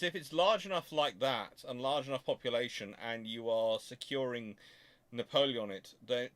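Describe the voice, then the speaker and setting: Man thinking aloud, halting and self-correcting. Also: mid-range voice, a bit bright. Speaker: host of a naval history channel. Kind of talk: off-the-cuff answers to listener questions.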